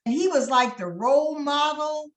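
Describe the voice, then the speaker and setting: A woman's voice: high-pitched, normal speed. An older woman in a senior writing class, talking with enthusiasm and admiration. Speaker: class participant. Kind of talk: casual group talk. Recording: roomy room.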